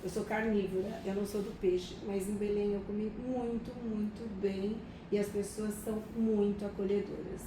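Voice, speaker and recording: A woman's voice: medium pitch, little pitch movement, moderate pace, hardly any pauses. A woman chatting casually in a group meeting. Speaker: reading circle participant. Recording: echoey room from far off, noisy.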